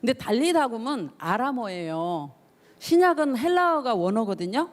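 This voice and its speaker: With big swings in pitch, a slightly high voice at moderate speed carries a woman youth pastor's sermon to teenagers. She narrates with feeling, imitates the story's characters, and puts questions right to her audience.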